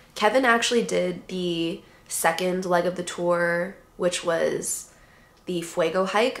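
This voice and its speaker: Ordinary pitch variation with audible room echo. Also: woman. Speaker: travel vlogger. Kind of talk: casual vlog chat. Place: home room.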